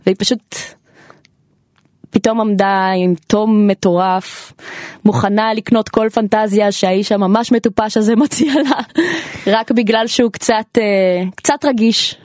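An animated woman comedian talking through her opinions in a relaxed podcast chat, breaking into laughs often. Her voice sits in a middle register, recorded close and dry with no room sound. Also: medium pitch, no echo. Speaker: comedian guest.

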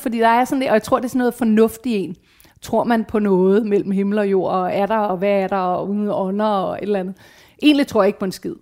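A woman's voice: mid-range voice, a little mellow. A woman in her forties chatting casually and candidly, telling personal stories with swearing and acted-out quotes. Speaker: guest. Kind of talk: casual chat, personal storytelling.

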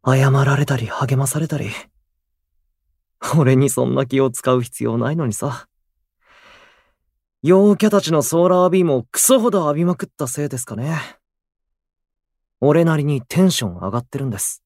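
An actor playing a gloomy, prickly, self-deprecating young station worker in a voice drama, with blunt, grumbling delivery. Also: male voice, medium pitch, normal speed, long pauses, a little mellow, no room sound, clean studio sound, lightly acted. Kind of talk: Japanese voice drama acting.

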